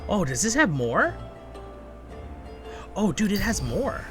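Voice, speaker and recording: A man hosting a gaming video with casual, excitable commentary, talking half to himself and half to his viewers. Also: high voice, slow pace, music in the background. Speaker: gaming channel host. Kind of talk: casual gameplay commentary, with expressive story reading.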